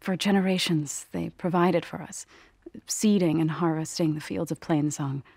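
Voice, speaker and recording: Earnest young tribal warrior woman for a video game, grave n solemn, measured phrasing, real dry recording. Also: deep voice, fairly even intonation, creaky, a little mellow, slightly rough, no echo, full character voice. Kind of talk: video game character voice acting.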